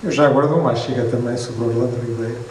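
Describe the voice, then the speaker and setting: A man's voice: medium pitch, steady tone, racing. A Portuguese man in his fifties with a European Portuguese accent, telling anecdotes to an audience in a reflective way, with hesitant restarts and wry asides about himself. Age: 50s. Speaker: photographer and book author at a presentation. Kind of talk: relaxed anecdotal talk to an audience. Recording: echoey room, distant mic, faint noise.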